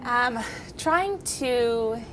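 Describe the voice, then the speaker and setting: A woman's voice: fairly high pitch, animated, drawn-out words, over music. A woman emergency call taker giving unscripted interview answers. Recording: background noise, room ambience.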